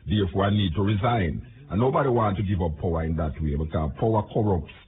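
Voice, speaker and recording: A man's voice: sits low, animated, quick pace. A Jamaican man giving a rambling, indignant political rant. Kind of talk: political commentary monologue. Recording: tinny phone-like audio with noise.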